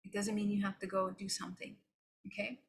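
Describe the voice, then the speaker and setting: A woman's voice: mid-range voice, flat delivery, fast, husky. A woman giving an unscripted, live-streamed spiritual teaching to viewers. She speaks in an earnest, reflective way and often checks in with "okay?". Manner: loose and unscripted, with restarts.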